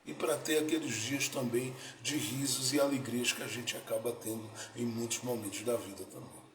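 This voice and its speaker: A male pastor preaching a sermon, moving between soft lines and loud, dramatic ones. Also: medium pitch, steady tone, moderate pace, noisy background. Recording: echoey room with faint ambience.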